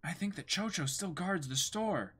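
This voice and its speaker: A man's voice: sits high, expressive, moderate pace, a bit bright, husky, voice pushed up, exaggerated voice. A man voicing a carefree, bold boy pirate in a manga reading.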